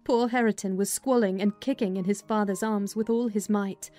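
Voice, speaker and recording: A woman reading as an audiobook narrator, with measured, dramatized storytelling of literary prose. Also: medium pitch, steady tone, warm tone, soft background music.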